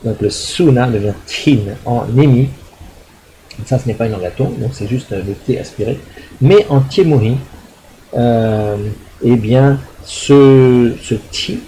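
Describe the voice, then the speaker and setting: A man's voice: mid-range voice, a little slow, mellow, slight background noise, rough recording. A middle-aged man, a university lecturer, explaining a recorded lecture with frequent fillers, restarts and tag questions to check understanding. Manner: hesitant, many fillers and restarts.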